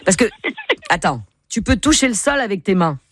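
A radio game show host with chatty, teasing banter and theatrical slow-downs when reading out questions. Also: medium pitch, sing-song, fairly bright tone, dry recording. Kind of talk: radio quiz hosting, playful banter. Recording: music bed behind the voice. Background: music.

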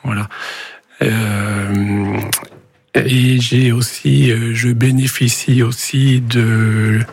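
A man speaks as a guest on a radio show, in a halting and plain way. His voice is gravelly with a husky edge. The recording is close and dry. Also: medium pitch, level tone, darkish tone, dry recording. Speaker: family caregiver, guest.

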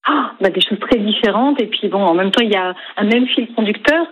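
A woman's voice: mid-range voice, a little fast, breathy edge, dull audio. A woman singer and storyteller giving a radio interview, speaking hesitantly with many fillers and restarts. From Lebanese heritage.

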